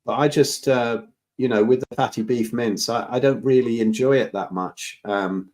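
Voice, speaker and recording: A man co-hosting a live health Q&A on a call, talking quickly with stammering restarts. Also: mid-range voice, steady tone, darkish tone. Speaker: co-host on health Q&A. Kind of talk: live Q&A chat.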